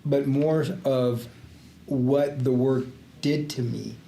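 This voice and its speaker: An older man, a retired judge with Greek as his first language, talks in a reflective, unhurried way, stopping to restart and filling gaps with "um." His middle-pitched voice rings in an echoey room. A faint hum of noise sits underneath. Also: fairly even intonation, creaky, warm tone. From Panama Canal Zone. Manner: reflective, halting with fillers and restarts, laughs easily. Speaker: retired judge, podcast guest. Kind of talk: casual interview chat.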